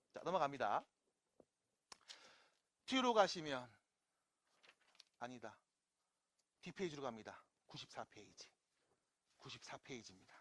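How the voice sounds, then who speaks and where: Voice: mid-range voice, a bit bright, slightly rough. A math lecturer teaching an online class, explaining step by step, often checking in with rhetorical questions and dropping playful asides.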